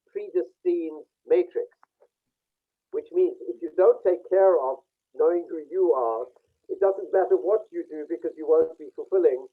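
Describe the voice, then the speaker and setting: A man with a slightly high voice talks someone through a face reading on a video call. He speaks reflectively, pausing often. The sound is thin and phone-like. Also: slightly rough. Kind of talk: online group session. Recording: tinny phone-like call audio.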